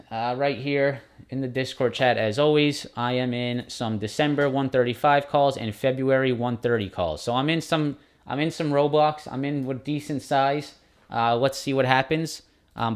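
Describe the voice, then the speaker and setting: A man hosting a morning stock market live stream, casually walking viewers through charts and calling them guys. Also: mid-range voice. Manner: quick, informal, addresses viewers as guys.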